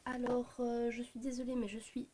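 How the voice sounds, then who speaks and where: A woman in her thirties with a Belgian French accent, hoarse from a cold, chatting to camera about her family budget with many hesitant fillers. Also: a little high, little pitch movement, moderate pace, mellow, a little hiss or hum. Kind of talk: casual talk to camera. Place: home at a desk, morning.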